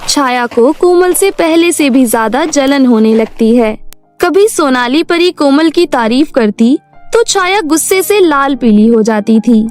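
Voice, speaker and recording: A woman telling a children's cartoon story in scripted storybook narration, even and clear. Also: high voice, measured pace, soft background music.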